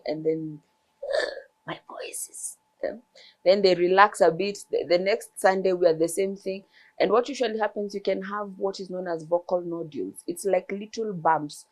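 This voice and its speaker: A woman ENT surgeon, explaining throat health in a TV interview with examples. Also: lowish voice. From Kenya.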